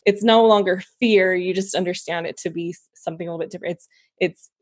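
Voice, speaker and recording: A woman's voice: lowish voice, fairly even intonation, fast talker. A woman hosting a podcast, talking reflectively with frequent fillers. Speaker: podcast host. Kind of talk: casual interview chat.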